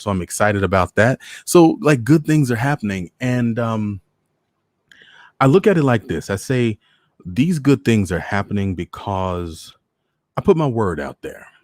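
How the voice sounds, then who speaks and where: Low-voiced American man hosting a livestream. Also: no room sound, studio quality. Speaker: host of a live online story-reading show. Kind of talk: casual livestream chat to viewers.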